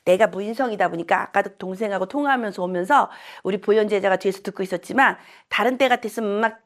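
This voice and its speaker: A woman's voice: mid-range voice, quick pace. A middle-aged woman who works as a shaman and saju teacher, giving a casual lecture full of personal stories and acting out the voices of people she quotes. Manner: chatty, animated storytelling, acts out quoted voices.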